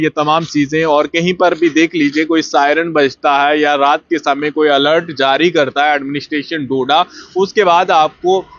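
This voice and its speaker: Male local news reporter, fairly high voice, unscripted and explanatory, dry slightly muffled audio. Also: fairly bright tone, no echo. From Jammu and Kashmir. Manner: explanatory, repeats phrases, frequent hesitations.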